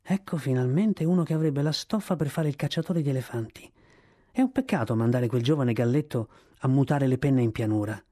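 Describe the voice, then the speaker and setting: A man's voice: mid-range voice, fairly quick, warm tone, lightly acted. A man reading aloud, voicing a matter-of-fact head elephant catcher.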